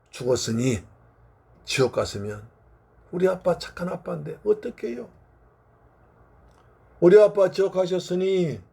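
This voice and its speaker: A man's voice: on the high side, warm tone, breathy edge, full character voice. A male pastor voicing a grieving young child who pleads and accuses in a tearful voice while retelling a story in a sermon.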